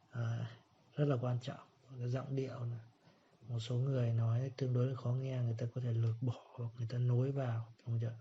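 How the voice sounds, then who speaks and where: A man whose first language is Vietnamese, teaching an English pronunciation lesson. He reads the English examples slowly and explains them quickly in between, often checking in with a tag question. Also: medium pitch, gravelly, dark tone. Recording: dull lo-fi sound with faint room noise.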